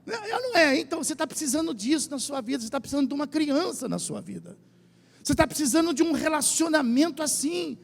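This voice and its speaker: A Brazilian man with a São Paulo accent preaching a lively sermon as pastor, drawing the congregation into call and response. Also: extremely high pitch, fast, creaky. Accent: Brazilian Portuguese, São Paulo state. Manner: animated preaching, asks the congregation to repeat phrases. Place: church hall. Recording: church hall with long reverb.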